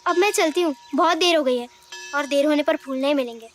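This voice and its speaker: A woman's voice: sits high, quick pace, slight background noise, close to an everyday voice. A woman voicing a cheerful little girl who gathers flowers, in a cartoon, chatty and teasing.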